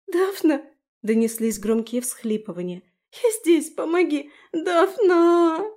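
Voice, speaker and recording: A woman voicing a frightened, tearful young girl in a fantasy audiobook, high and plaintive. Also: moderate pace, mellow, close to an everyday voice. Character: girl Abi, young fairy-tale student, frightened and tearful.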